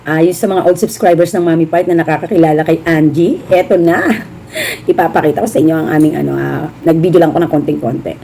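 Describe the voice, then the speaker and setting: A woman's voice: low-pitched, steady tone, fast, creaky, warm tone, a little hiss or hum. A Filipino woman vlogger chatting casually to her viewers, mixing Tagalog and English, often adding a questioning "no?", slightly under the weather. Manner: chatty, mixes Tagalog and English, frequent "no?" tag. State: feeling a bit unwell. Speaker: vlogger, small shop owner. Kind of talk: casual chat to camera.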